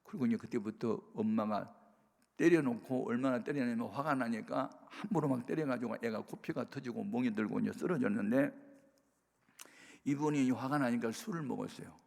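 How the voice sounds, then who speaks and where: A male pastor giving a sermon testimony, telling his story with animated bursts of loud emphasis. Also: medium pitch, moderate pace, vocal fry. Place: prayer retreat sanctuary. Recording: reverberant worship hall.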